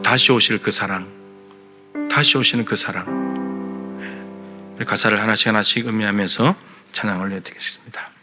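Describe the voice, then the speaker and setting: A man's voice: medium pitch, sharp tone. A male pastor preaching a sermon in a church, earnestly voicing God's questions to the congregation. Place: church sanctuary.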